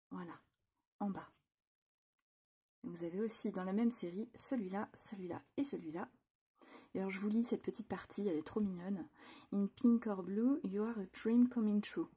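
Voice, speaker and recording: Woman, craft haul host, chatty and enthusiastic, dark mellow tone, slightly husky. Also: mid-range voice. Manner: chatty, enthusiastic, frequent fillers and restarts. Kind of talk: casual product haul presentation. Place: home craft room.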